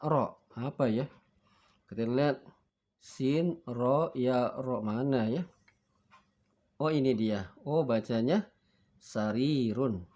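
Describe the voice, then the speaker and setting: Slow, patient male language teacher. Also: medium pitch, a little mellow. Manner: patient, acts out forgetting and finding words; reads each word twice for repeating. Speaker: Arabic teacher. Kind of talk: slow beginner lesson.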